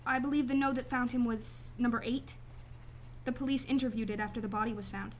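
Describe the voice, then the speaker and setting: Cool, detached woman acted, high-pitched. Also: fairly even intonation, a little fast, slight background noise, close to an everyday voice. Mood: matter-of-fact. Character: cool, detached female client, guarded murder victim's sister. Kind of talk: radio drama acting.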